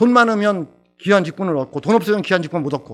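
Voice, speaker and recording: A man is talking. His intonation is lively. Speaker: pastor. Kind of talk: sermon.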